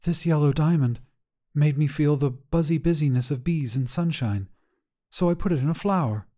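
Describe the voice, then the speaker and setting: A man voicing a gentle, earnest female jeweler with a kindly way of talking, in a short story. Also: fairly high pitch, moderate pace, voice pushed up, lightly acted. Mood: bright, sincere. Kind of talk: audio short-story dialogue.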